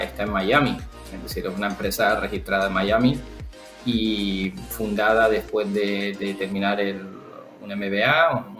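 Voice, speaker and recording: Low-voiced Canarian man, echoey room. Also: a bit bright. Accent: Canarian Spanish. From Canary Islands, Spain. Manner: thoughtful, halting with many fillers and restarts. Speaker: football agent. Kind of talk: interview guest, casual conversation. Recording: roomy echo with faint background music.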